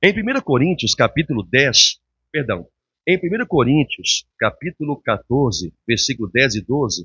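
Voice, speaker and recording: A man speaks in a fairly high register at an even, medium tempo, his voice crackling with vocal fry as his pitch leaps widely up and down. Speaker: pastor. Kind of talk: sermon.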